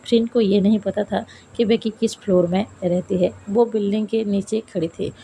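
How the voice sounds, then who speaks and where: A woman narrates a romance story at a steady, even pace, with a gravelly texture. Her tone is mellow and dark. A faint hiss sits behind the voice. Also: mid-range voice, normal speed, low-quality recording. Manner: steady, plain retelling with dialogue read aloud.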